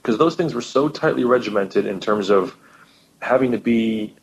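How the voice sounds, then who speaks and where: A man's voice: fairly low pitch, moderate pace, lo-fi sound, slight background noise. A man, a professional musician guest, chatting with enthusiasm and often repeating words as he thinks. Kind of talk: casual chat.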